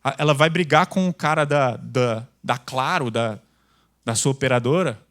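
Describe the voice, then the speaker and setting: A male pastor preaching a sermon, intense and loud, with casual slang. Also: mid-range voice, moderate pace. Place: church.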